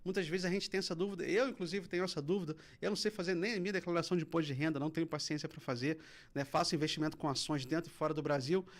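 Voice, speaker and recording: Fast-talking enthusiastic podcast host man. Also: on the high side, fairly even intonation. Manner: fast, enthusiastic, loud welcome. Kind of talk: sponsor reads and podcast interview. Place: podcast studio.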